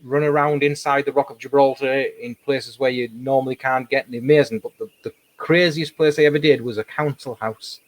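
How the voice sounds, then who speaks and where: A man talks casually as a paranormal investigator being interviewed. His voice is a little hoarse and sits at an average pitch. He tells his anecdotes chattily, repeating words for emphasis. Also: steady tone, a little fast, hardly any pauses, low-quality recording. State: slightly hoarse, losing his voice.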